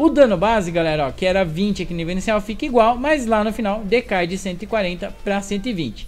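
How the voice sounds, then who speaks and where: With a Brazilian accent, a man talks in a high pitch with lively intonation. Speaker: gaming youtuber. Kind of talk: patch notes commentary. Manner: animated. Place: home room.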